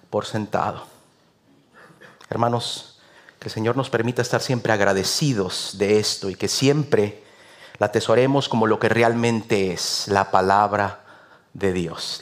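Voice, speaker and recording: Mexican-accented man preaching a sermon. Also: on the low side. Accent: Mexican Spanish. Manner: earnest, rhythmic preaching with repeated amens. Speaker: visiting pastor.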